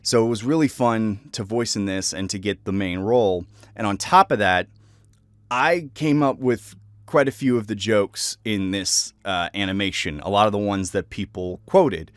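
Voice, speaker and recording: A young adult male voice actor with a fairly low voice speaks at normal speed, without echo. He reflects casually on his own roles.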